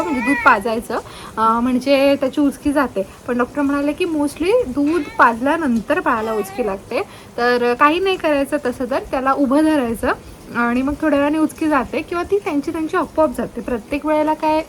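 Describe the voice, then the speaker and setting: A young woman with a Marathi accent talks casually to her camera at home, slipping English words into her chat. Her voice sits high, and a faint hiss runs under the recording. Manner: chatty, switches between Marathi and English words. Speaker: vlogger, new mother.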